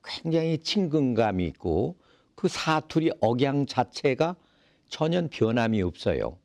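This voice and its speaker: A man's voice: mid-range voice, sing-song, a little slow, darkish tone, no room sound, clean studio sound. A man hosting a casual interview, explaining things at a leisurely pace with many fillers. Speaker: interview host.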